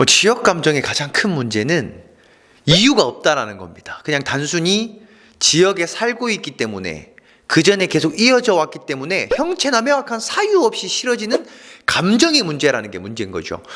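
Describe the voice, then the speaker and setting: On a very clean recording with a silent background, a man with a high voice talks at a moderate pace, his pitch swinging very widely. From Hadong, South Gyeongsang, Korea. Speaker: youth speaker. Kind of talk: unscripted Q&A talk to camera.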